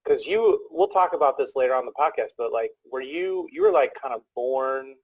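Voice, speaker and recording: A man's voice: mid-range voice, expressive, moderate pace, dry recording, rough recording. A man hosting a casual interview podcast, talking in an upbeat, chatty, joking way. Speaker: podcast host.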